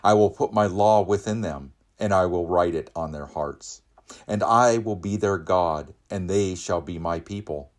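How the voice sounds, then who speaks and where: Low deep guy doing a solemn bible reading for church, measured and declamatory. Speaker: church scripture reader.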